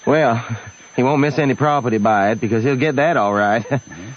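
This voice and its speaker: A man plays a young American bumpkin with a mid-pitched voice, chatty and naive in a rustic way. It is old radio drama acting, dull in sound with faint noise. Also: brisk, natural voice. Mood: chatty, friendly.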